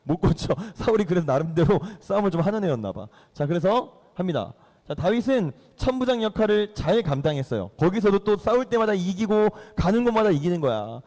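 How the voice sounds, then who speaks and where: A man's voice: high voice, sing-song, a little fast, dark tone, long reverb tail. A man teaching children a Bible lesson in a church, playfully quizzing them as he goes. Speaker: youth pastor teaching children. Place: church hall.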